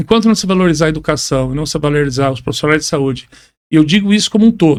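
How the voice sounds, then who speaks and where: Fairly quick speech from a man with a fairly high pitch and ordinary pitch variation. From Rio Grande do Sul, southern Brazil. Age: 60s. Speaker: intensive care physician. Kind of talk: interview. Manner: hesitant, frequent fillers and repetitions.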